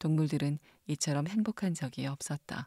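A woman talks at a fairly slow pace, somewhat breathy, with a dark, mellow tone that is also calm and warm. The sound is dry and close with no echo, on a very clean recording with a silent background. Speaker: audiobook narrator. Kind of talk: dramatic narration of a novel, read aloud as a bedtime audiobook. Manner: calm, warm, slow and soothing, with expressive emphasis.

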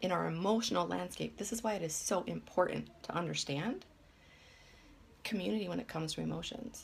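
A woman at a moderate pace. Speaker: emotional wellness coach. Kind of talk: live stream talk. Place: home room. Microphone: phone near.

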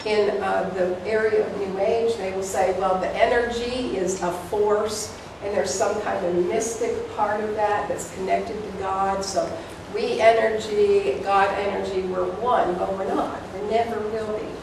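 A woman speaks at a fairly slow pace with a monotone, flat intonation. Noticeable background noise and audible room echo surround her voice. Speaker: presenter. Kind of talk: lecture. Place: meeting room. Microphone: camera far.

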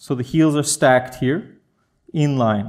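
A man speaks at a very slow pace with a medium pitch. His pitch variation is ordinary, and the background is quiet. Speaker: meditation teacher. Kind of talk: guided meditation. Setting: video. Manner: warm, gentle. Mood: calm, warm, explanatory. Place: home room. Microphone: lapel.

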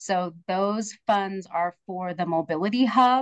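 A woman's voice with ordinary pitch variation. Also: quiet background. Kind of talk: meeting answer explaining a project. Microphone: video call.

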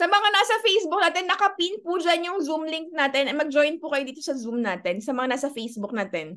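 Over a quiet background, a woman speaks at a fairly quick pace with hardly any pauses, her high voice making very wide pitch swings. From Philippines, Marikina; Philippines. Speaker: forex trading coach. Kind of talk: webinar presentation. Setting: video call. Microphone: video call.

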